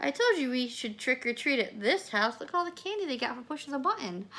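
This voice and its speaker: A woman puts on a character voice, speaking very fast at a high pitch with very wide pitch swings. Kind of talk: children's read-aloud acting. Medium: read story. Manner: anxious, gasping.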